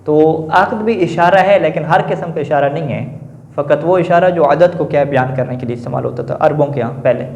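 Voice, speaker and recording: A man's voice: on the high side, vocal fry, darkish tone. Man lecturing, answering his own questions. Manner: asks the class questions and answers them himself; repeats a confirming filler often. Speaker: teacher. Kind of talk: classroom lecture on Arabic grammar. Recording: echoey room, dull lo-fi sound.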